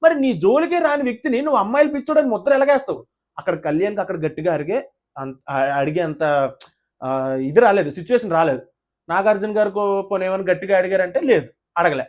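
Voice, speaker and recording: Fast-paced commentary, reality show reviewer, indignant, rhetorical questions, appeals to viewers. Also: medium pitch, expressive. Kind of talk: fast casual commentary to camera.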